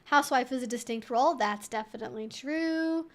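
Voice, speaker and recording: A woman's voice: sits high, a little fast. A woman hosting a live Q&A stream, thinking aloud in an informal, chatty, wry and opinionated way.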